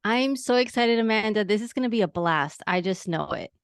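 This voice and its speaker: A woman from New York talks as a podcast guest, with a light Latina tinge in her New York accent. She sounds bubbly and eager, and her voice is smooth and resonant. The recording is close and dry. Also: medium pitch, lively intonation, fairly quick, no room sound. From New York, United States. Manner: bubbly, enthusiastic. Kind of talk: interview conversation.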